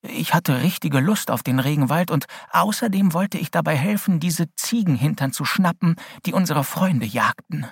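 A man's voice: fairly high pitch, animated, normal speed, few pauses, husky, dry recording, clean studio sound. A man reading an audiobook aloud as narrator.

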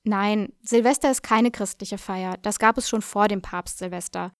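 A woman presenting a language lesson, explaining in a clear, measured, scripted way. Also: mid-range voice, steady tone, dry recording, studio quality.

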